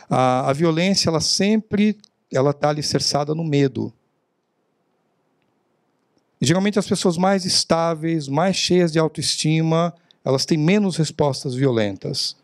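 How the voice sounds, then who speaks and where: A middle-aged man gives a motivational talk, acting out little scenes in his own voice. His voice sits fairly high and has a gravelly edge. The sound is dry and close, with no room echo. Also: a little mellow. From Brazil. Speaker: motivational speaker. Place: lecture hall.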